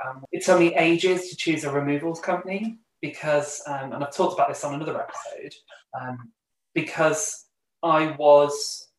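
Man in a roomy echo, higher voice. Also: a little hiss or hum. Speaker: podcast host. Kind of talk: casual interview chat.

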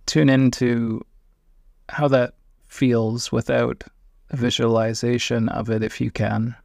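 A man guiding a meditation, giving gentle invitations with long pauses between phrases. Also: mid-range voice, little pitch movement, gravelly, no room sound, clean studio sound. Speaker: meditation guide. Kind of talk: guided meditation.

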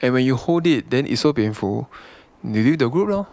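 A man's voice: medium pitch, lively intonation, fairly quick, a little mellow, a little hiss or hum. A Singaporean man hosting a podcast, chatting casually in colloquial Singlish full of lah, lor and leh. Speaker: podcast host. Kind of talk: casual conversational podcast chat.

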